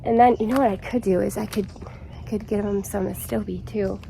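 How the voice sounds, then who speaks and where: A woman vlogging in her garden, chatty and excited, a little out of breath as she rambles. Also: mid-range voice, fairly quick, creaky, noisy background. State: slightly out of breath. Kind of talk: casual vlog chat. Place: outdoors in a shade garden.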